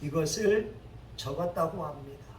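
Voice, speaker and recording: A male pastor delivering a sermon, building up to loud, dramatic exclamations. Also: on the high side, normal speed. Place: church sanctuary. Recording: echoey church hall, mic at a distance, faint ambient noise.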